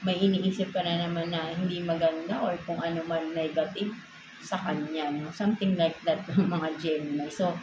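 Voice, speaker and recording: A woman with a Filipino accent gives a relaxed tarot reading at a normal speed, her voice sitting a little low. She code-switches between two languages and checks in with "no?" after nearly every thought. Noticeable room echo and steady background noise fill the recording.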